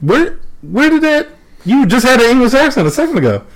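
A man's voice: very high voice, big pitch swings, a little fast. A man co-hosting a casual comedy podcast, telling stories animatedly, mimicking voices and breaking into laughter. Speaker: podcast co-host.

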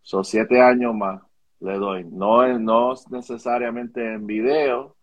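A man's voice: medium pitch, steady tone, takes it slowly, muffled recording. A man with a Caribbean Spanish accent answering casually as an interview guest, repeating words and mixing English phrases into his Spanish. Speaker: interview guest, music video director.

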